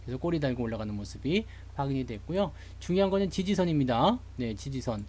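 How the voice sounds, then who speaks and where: A man's voice: mid-range voice, animated, fast talker, darkish tone. A man from Seoul giving a chatty, joking live lecture on stock charts to online viewers. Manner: chatty, jokey, greets live chat viewers. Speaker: stock market streamer.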